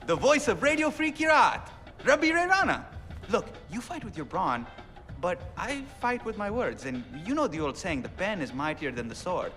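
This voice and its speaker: An actor playing an excitable, chatty young rebel radio DJ in a video game, with a South Asian accent and theatrical, slangy, rambling talk. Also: male voice, sits high, moderate pace, full character voice. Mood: excited, proud. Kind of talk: game cutscene acting with radio patter. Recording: music behind, long reverb.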